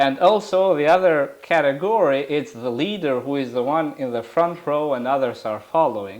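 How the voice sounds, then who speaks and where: A man with an Albanian accent speaks at a fairly high pitch, with lively intonation. He leaves hardly any pauses. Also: moderate pace. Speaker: interviewer. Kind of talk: interview.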